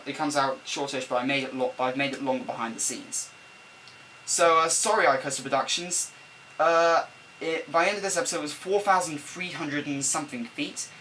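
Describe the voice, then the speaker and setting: A young man rambles and corrects himself mid-sentence as he talks through a game build, his mid-pitched voice caught on an old camcorder's built-in mic. A faint laptop fan hums underneath the whole time. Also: sharp tone, rough recording. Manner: rambling, self-correcting, chatty. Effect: recorded on an old camcorder microphone. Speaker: let's-play builder. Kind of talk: off-the-cuff game commentary voice-over. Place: at a desk at home. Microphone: camera microphone, not a desk mic. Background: faint laptop fan hum.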